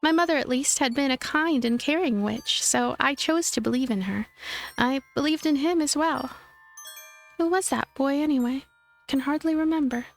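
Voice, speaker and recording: A woman let's player reading a visual novel aloud in expressive narration, with game music behind her. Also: high-pitched, moderate pace.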